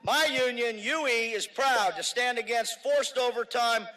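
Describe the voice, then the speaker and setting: A man speaking for his union at an outdoor rally, shouting emphatic, repeated slogans. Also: extremely high pitch, measured pace, rough recording. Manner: chanting slogans, emphatic repetition. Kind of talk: shouted political rally speech.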